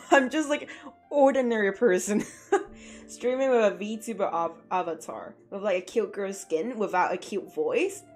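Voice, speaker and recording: A woman's voice: medium pitch, measured pace, darkish tone. A young woman streaming as a VTuber while drawing, chatting casually and rambling with lots of fillers, her throat a bit sore. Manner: rambling, filler-heavy, self-deprecating. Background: faint music.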